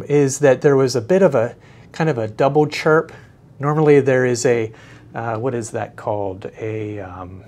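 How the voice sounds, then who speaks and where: A man giving a casual, unscripted product demonstration in a hesitant, halting way, often searching for words. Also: medium pitch, a little mellow. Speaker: product reviewer.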